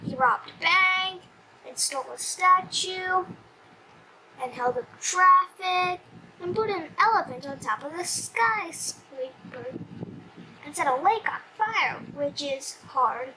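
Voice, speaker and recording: Very high-pitched child reading a story aloud. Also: slow, noisy background. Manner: animated, stumbling reader.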